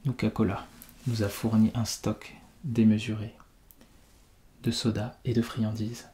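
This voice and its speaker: Male, soft-spoken ASMR roleplay as a polite, reassuring bunker official; mellow, unhurried, near-whisper. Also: on the low side, flat delivery. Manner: polite, formal, soothing, often drifting into whisper. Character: courteous, reassuring male vault shelter official welcoming a resident. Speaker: ASMR performer playing a fallout-shelter host.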